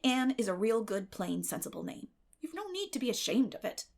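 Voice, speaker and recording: A woman voicing a stern, practical older woman with a brisk, no-nonsense way of speaking in a storybook reading. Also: on the high side, big pitch swings, creaky, full character voice. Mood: baffled, dismissive.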